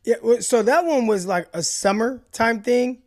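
A man co-hosting a sports podcast, talking in a passionate, deliberate and emphatic way. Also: very high-pitched, animated, darkish tone. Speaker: podcast co-host. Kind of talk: casual sports chat.

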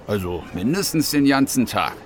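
An actor playing a casual, unflappable technician with a Berlin accent in a children's audio drama. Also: male voice, mid-range voice, big pitch swings, normal speed, a little hiss or hum, natural voice. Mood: grumbly, matter-of-fact.

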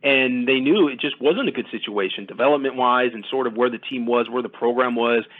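A man's voice: mid-range voice, fairly quick. A man giving casual, detailed sports recruiting analysis as a guest, talking conversationally at length. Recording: thin phone-like audio.

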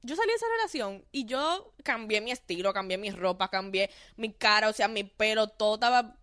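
A woman's voice: medium pitch, animated, a little fast, fairly bright tone, dry recording, studio quality. A woman with a Dominican accent, a podcast guest chatting openly about her own experiences. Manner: chatty, talks through her story openly. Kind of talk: casual podcast chat.

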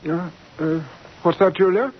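Husky, flustered married man. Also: high-pitched, unhurried. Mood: flustered, evasive. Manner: hesitant, stammering, sputtering. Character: flustered, besotted married man, evasive and indignant. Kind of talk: old-time radio drama acting. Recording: muffled vintage radio recording.

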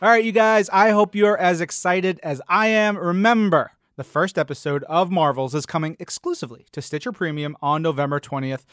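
A man's voice: high-pitched, fairly quick, few pauses, a bit bright, no echo, soft background music. A man hosting a podcast interview, enthusiastic and slangy in a casual, upbeat style.

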